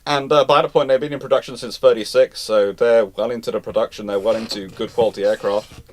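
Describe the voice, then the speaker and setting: A man's voice: medium pitch, steady tone, fast, a little mellow. A man hosting a live question-and-answer talk on history, speaking in an explanatory way. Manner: explanatory, reads questions aloud then answers.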